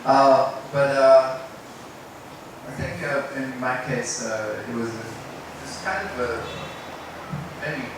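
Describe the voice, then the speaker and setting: A middle-aged man from South Africa speaks slowly and haltingly, telling an informal story about himself. He is self-deprecating and picks his way through each phrase. The recording is very echoey and distant, with clear background noise. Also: mid-range voice. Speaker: English teacher. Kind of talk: informal personal story to a group. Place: indoor room at a teachers' workshop. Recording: echoey room, distant mic, noisy.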